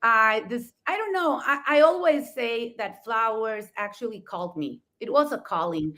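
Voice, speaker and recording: A woman's voice: fairly high pitch, lively intonation, normal speed, sharp tone. A middle-aged woman from Mexico with a Mexican accent, a native Spanish speaker, telling personal stories emphatically and effusively as a talk show host.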